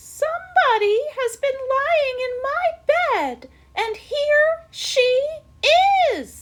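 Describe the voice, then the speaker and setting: A woman puts on a squeaky character voice, extremely high in pitch, and speaks at a very slow pace. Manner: indignant, discovering the intruder.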